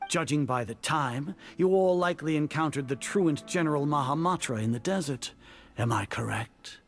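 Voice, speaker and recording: An actor playing an imperious older grand sage in a video game, a cold schemer who speaks formally, deliberately and with condescension. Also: male voice, on the high side, animated, gravelly. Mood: condescending, accusing. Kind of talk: scripted video game voice acting. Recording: game dialogue over loud music.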